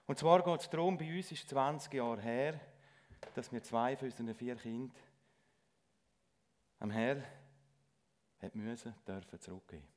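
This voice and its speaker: A middle-aged man giving a lay sermon in church, speaking earnestly and haltingly with frequent restarts. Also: mid-range voice. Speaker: lay preacher.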